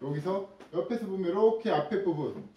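Male sewing instructor, higher voice, casual and chatty with viewers; roomy sound, mic set back. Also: lively intonation, normal speed, mellow, far from the mic, slight background noise. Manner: chatty, demonstrative, addresses viewers directly.

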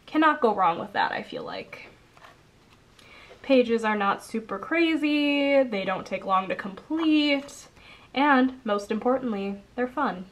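A young woman who sounds congested, chatting casually as a coloring channel host, rambling with lots of ums and quick self-corrections, recorded indoors at a table. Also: fairly high pitch, expressive, muffled recording. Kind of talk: casual haul video chat.

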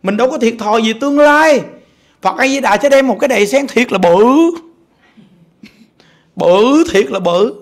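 Southern vietnamese guy w a really high voice giving a buddhist sermon, animated storytelling, keeps asking the crowd if they get it. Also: moderate pace, long pauses. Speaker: Buddhist preacher.

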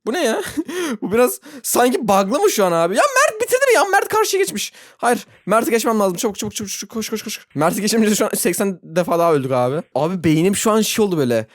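A gaming YouTuber giving excitable Roblox gameplay commentary, talking straight to viewers, self-mocking and frustrated, moving from low muttering to sudden squeals. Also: fast, no echo, studio quality. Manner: talks to viewers directly, laughs often.

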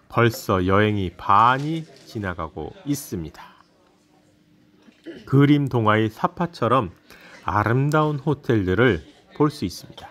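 A man narrating a travel vlog in a calm voice-over with light humor. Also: lowish voice.

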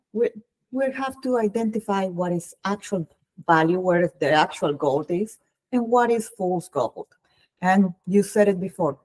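A woman's voice: mid-range voice, darkish tone, rough recording. Colombian lady hosting a video call interview, mid voice, chatty, keeps restarting sentences. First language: Spanish. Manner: chatty, frequent restarts and fillers. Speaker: host. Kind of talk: casual interview chat. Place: home room.

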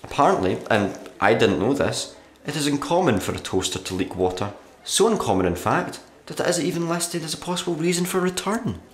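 A man playing a sullen, sardonic writer narrating his diary in a black comedy radio play, dry and deadpan. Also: on the high side, a little fast. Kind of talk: dramatic monologue, diary narration in a black comedy audio drama. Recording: roomy echo with background noise.

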